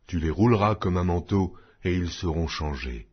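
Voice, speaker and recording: A man's voice: sits low, moderate pace, breathy edge. A man reading the Bible aloud as an audiobook narrator, in a solemn, declamatory manner. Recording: dull lo-fi audio.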